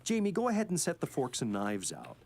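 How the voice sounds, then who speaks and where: Lively, kindly dad. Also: male voice, medium pitch, brisk, vocal fry, heavily acted. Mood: warm, easygoing. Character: kindly, thankful father at a family holiday dinner. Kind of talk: children's radio drama acting. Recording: faint background noise.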